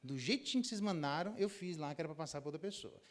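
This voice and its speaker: A man's voice: on the high side, quick pace. A middle-aged Brazilian man, a pastor, teaching a Bible lesson with anecdotes and acting out the dialogue himself. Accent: Brazilian Portuguese. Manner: lively storyteller, acts out dialogue in raised voices.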